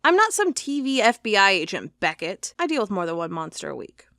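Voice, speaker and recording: A woman's voice: mid-range voice, big pitch swings, a little fast, fairly bright tone, dry recording, studio quality. A woman playing a stubborn, sarcastic investigator of cold cases in an audio drama, with a wry, defiant manner. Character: stubborn, sarcastic female cold-case investigator hunting monsters.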